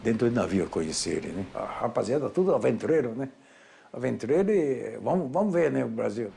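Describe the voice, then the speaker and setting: A man's voice: medium pitch, sing-song, brisk, creaky, mellow, a little hiss or hum. An older man from Japan with a Japanese accent, speaking simple, broken Portuguese with frequent tag questions in an interview. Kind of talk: documentary interview.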